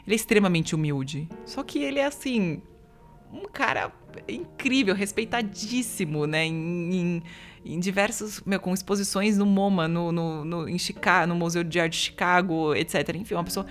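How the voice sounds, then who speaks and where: A woman with a slightly low voice explains her work as an interpreter in a relaxed interview. She talks thoughtfully and circles back with fillers and examples. Faint music plays underneath. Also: normal speed. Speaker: interpreter, guest. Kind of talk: casual interview chat.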